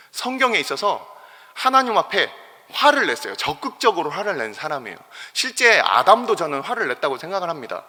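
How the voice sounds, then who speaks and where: Animated man preaching in a reverberant church. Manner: animated, acts out quoted complaints with rising pitch and volume. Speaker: pastor. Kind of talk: sermon. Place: church sanctuary. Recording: long church hall reverb.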